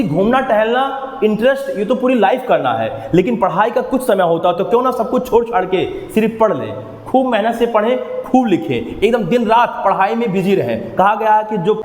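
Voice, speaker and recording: A man teaching a maths class, explaining step by step and often questioning his students, with motivational asides. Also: sits high. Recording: echoey room, long reverb.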